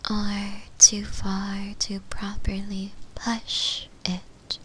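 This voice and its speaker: A woman voicing a possessive female shadow demon in a breathy, hesitant, musing whisper for an ASMR roleplay. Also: completely flat delivery, a bit bright, full character voice. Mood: musing, puzzled. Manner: slow, hesitant, musing, with pauses. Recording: close whisper with low rumbling noise.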